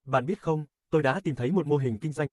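A man voicing a friendly businessman making a neatly enunciated, upbeat sales pitch in a scripted cartoon advertisement. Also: fast, darkish tone, dry recording, studio quality, lightly acted. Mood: friendly, persuasive.

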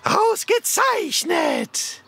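A woman's voice: very high voice, big pitch swings, drawn-out words, vocal fry, heavily acted. A woman voicing a sly, gleeful schemer in a dubbed children's cartoon.

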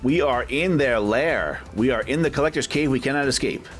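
A video host and comic collector gives a casual vlog tour of a packed, medium-sized shop, filming on a handheld camera. He's chatty and off the cuff, often tacking questions onto his remarks, with a medium-pitched voice at a moderate pace and soft music behind him.

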